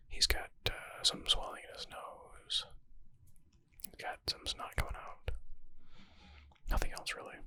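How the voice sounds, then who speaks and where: A man speaks entirely in a breathy whisper with no voiced tone, bright and airy. It is an ASMR reading mixed with casual, murmured commentary, as if he is thinking aloud. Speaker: ASMR creator reading and answering medical exam questions.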